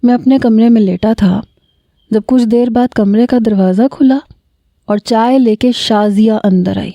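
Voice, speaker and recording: A woman narrating a romantic story in a steady, measured reading. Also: fairly high pitch, dry recording.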